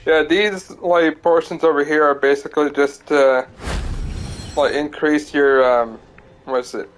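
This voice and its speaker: A man's voice: fairly high pitch, fairly even intonation, unhurried, slight background noise. A young man streaming a game, rambling, laughing and swearing in casual chat.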